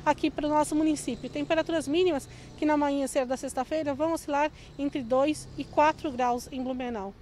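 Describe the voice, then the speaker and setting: A young adult woman meteorologist explaining the forecast in a measured way, speaking into a handheld mic outdoors on a city street. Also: sits high, fairly even intonation, a little mellow. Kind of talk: live outdoor weather interview. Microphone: handheld reporter mic. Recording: faint outdoor street noise. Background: faint street traffic.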